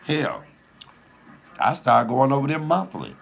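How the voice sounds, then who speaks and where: A man with a deep voice telling a profane, animated comic story in casual storytelling style, laughing at his own jokes. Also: unhurried, gravelly. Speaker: comedian host.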